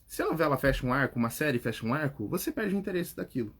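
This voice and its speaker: Racing along in a husky, animated mid-range voice, a man with a Brazilian accent coaches public speaking by responding to viewer comments on a casual podcast. He addresses the viewer directly and checks in after points with "tá?" and "né?", meaning "right?"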